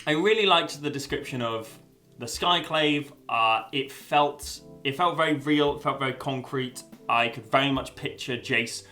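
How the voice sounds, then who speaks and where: A man's voice: mid-range voice, normal speed, sharp tone, faint music behind. A young man giving a casual spoken review, rambling with lots of fillers and restarts, and swearing now and then. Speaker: video essayist reviewing a story.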